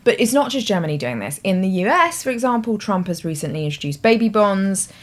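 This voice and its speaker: A woman's voice: mid-range voice, very animated, fairly quick. A British woman hosting her own show, explaining ideas in a thoughtful, conversational way with hedging asides. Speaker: host. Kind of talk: explanatory talk to camera.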